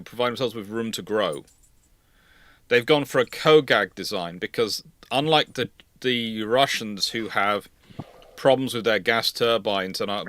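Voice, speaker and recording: A man's voice: lowish voice, bright, forceful tone, no room sound. A man hosting an unscripted expert discussion of naval ships, often correcting himself and repeating points for emphasis. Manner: hesitant self-correcting, emphatic repetition. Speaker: host.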